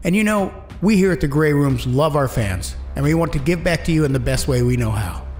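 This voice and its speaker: A man's voice: on the high side, animated, fairly quick, darkish tone, faint music behind. A man reading scripted credits and announcements as a podcast host. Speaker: podcast host and audio engineer.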